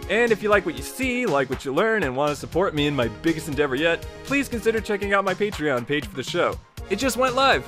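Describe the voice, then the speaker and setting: Casting: male tutorial host, fairly high voice, very animated, chatty and emphatic scripted delivery. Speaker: YouTube host and tutorial creator. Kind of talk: lively scripted promo narration. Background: music.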